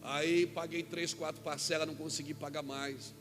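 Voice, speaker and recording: A Brazilian man preaching a sermon as a pastor, telling a personal story with quoted dialogue and rising to shouts at the peaks. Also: on the high side, level tone, normal speed, over music. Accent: Brazilian Portuguese. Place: church event hall.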